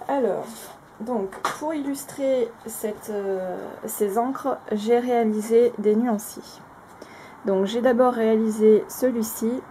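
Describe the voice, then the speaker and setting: A woman with a mellow, warm tone talks through craft supplies she has tested, sounding casual and unscripted. She hesitates often, filling pauses and restarting sentences, yet gives her opinions bluntly. There is a faint hiss behind her voice. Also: on the high side, steady tone. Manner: frank, plainly spoken opinions. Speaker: crafting vlogger reviewing products. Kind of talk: casual product review, showing items to camera.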